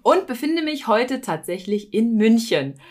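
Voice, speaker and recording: A woman hosting a casual podcast chat from a hotel room, talkative and quick to correct herself. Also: on the high side, very animated, a little mellow. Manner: chatty, self-correcting, laughs at herself. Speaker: podcast host.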